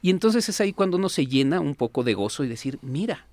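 A man talks about a nature reserve in a lively, chatty interview. His voice sits a little high, and the recording is close and dry. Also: fast, no room sound. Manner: animated, explains with homely comparisons and quoted reactions. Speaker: executive secretary of a nature reserve. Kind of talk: casual interview talk.

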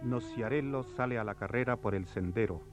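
A man's voice: mid-range voice, brisk, music in the background. A man giving scripted narration of stage directions for a play. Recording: slightly dull lo-fi drama recording.

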